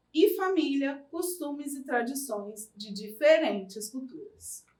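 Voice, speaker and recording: The speech moves at a very slow pace. Its pitch swings very widely from high to low. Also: woman. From Rio de Janeiro, Brazil, then Espírito Santo. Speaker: teacher. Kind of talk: recorded online lesson for children. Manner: friendly, didactic.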